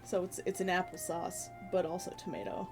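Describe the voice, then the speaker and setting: A woman's voice: fairly low pitch, level tone, brisk, over music. A woman streamer chatting casually in a laid-back, rambling way during a live stream. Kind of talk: casual livestream chat.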